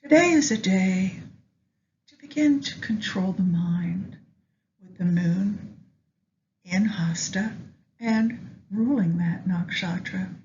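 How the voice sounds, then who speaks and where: A woman leading a guided meditation with astrology, speaking gently and in measured short phrases with long pauses. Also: medium pitch. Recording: dull lo-fi sound, faint background noise.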